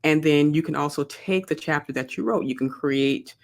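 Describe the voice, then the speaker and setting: A woman's voice: deep voice, normal speed. Woman, podcast guest, author, casual chat, frequent ums and restarts. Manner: conversational, many ums and restarts.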